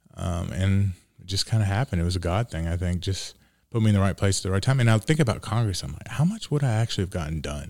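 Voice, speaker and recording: Talking at a very fast pace, a man with an American accent uses lively intonation and a fairly low pitch. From Texas. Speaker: attorney and former congressional candidate. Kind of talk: interview. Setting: studio.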